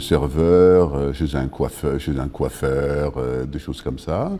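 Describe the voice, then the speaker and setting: Over noticeable background noise, a man speaks very slowly. His very deep, low voice keeps a fairly even intonation. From Iraq (Baghdad). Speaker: poet. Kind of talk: interview. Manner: hesitant, many fillers.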